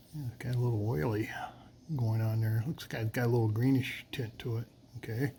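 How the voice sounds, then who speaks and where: A man with an American accent speaks at medium pitch in a dark, mellow tone. His intonation is fairly even and his voice somewhat breathy. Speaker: rock cutting channel host. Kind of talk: casual tutorial narration. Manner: casual, hesitant with fillers.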